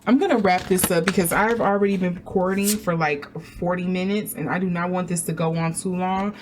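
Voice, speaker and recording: A woman's voice: on the low side, fairly even intonation, fairly quick, darkish tone, a little hiss or hum. A woman giving a casual tarot reading to camera, chatty and meandering, with many fillers and restarts. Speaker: tarot reader.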